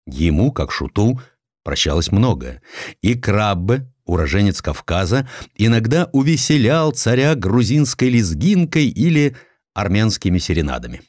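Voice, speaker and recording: Low-voiced, expressive male audiobook narrator. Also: moderate pace, dry recording, studio quality. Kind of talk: expressive scripted literary narration.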